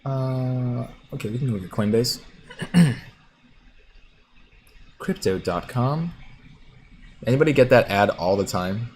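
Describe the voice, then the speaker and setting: A man hosting a casual livestream, reading viewer comments aloud, chatting and laughing easily as he thinks out loud. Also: medium pitch, slow, long pauses, slight background noise. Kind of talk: casual livestream chat about stocks.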